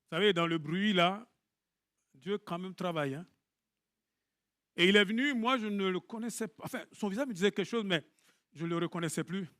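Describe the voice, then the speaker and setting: A middle-aged pastor, preaching a lively sermon to his congregation. He swings between loud bursts and hushed asides and jokes with the listeners. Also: high voice, fairly quick, long pauses, no room sound, studio quality.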